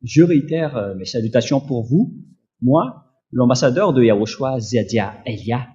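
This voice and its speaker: A male preacher delivers a slow, emphatic sermon, his pitch swinging widely, with a dark, mellow tone. He hesitates often and has a slight cough. The recording is dull and lo-fi. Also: expressive. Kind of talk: sermon teaching.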